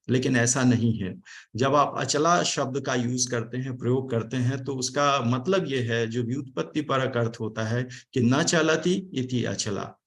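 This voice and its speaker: Man from India, video call, formal seminar speech, mid-pitched, measured, frequent pauses and restarts. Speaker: speaker giving vote of thanks. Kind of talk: formal online seminar talk.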